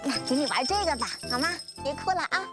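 A bouncy cartoon schoolgirl. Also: animated. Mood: coaxing. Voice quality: very high, bouncy childlike voice. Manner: chatty, quick to pout and whine. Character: lively fifth-grade girl, playful and a bit sulky. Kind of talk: children's cartoon voice acting. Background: cartoon background music.

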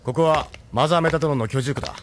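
A man playing a brisk, hearty ship captain. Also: a little high, noisy background, close to an everyday voice. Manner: brisk, blunt, casual. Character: hearty male ship captain, blunt and friendly. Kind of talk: radio drama acting.

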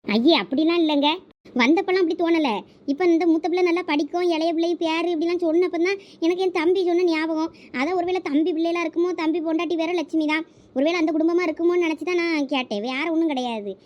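A woman with a Thoothukudi Tamil accent playing a middle-aged village mother who is suspicious and quick to defend herself. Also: very high-pitched, a little mellow, highs cut off. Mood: defensive. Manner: pleading, justifying herself. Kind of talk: village comedy skit acting.

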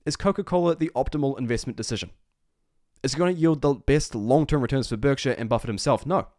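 A man's voice: mid-range voice, fast talker, a little mellow, no echo, studio quality. A man giving off-the-cuff investment commentary, speaking emphatically with repeated phrases and rhetorical questions. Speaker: investing video host. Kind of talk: off-the-cuff stock analysis commentary.

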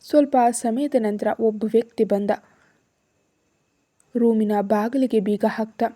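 A woman's voice: on the high side, slow, dark tone. A woman voicing a frightened young student. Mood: tearful.

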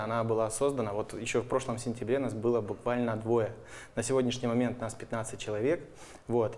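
Male interview guest, thirties, medium pitch, informal explanatory talk, lapel mic. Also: darkish tone. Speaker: animation studio guest. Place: television studio, indoors. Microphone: lapel microphone.

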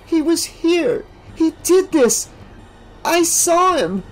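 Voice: medium pitch, animated, a little slow, soft background music, pitched above the performer's own voice, lightly acted. A reader voicing a frightened, haunted teenage girl who talks tremulously and pleads to be believed. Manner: tremulous, whispering.

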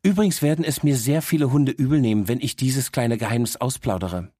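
Guy doing a cheeky know-it-all girl dog, pitched up, dry close mic, audiobook. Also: brisk, mellow, dry recording, lightly acted. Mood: smug. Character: opinionated young female talking dog. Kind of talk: audiobook character voice.

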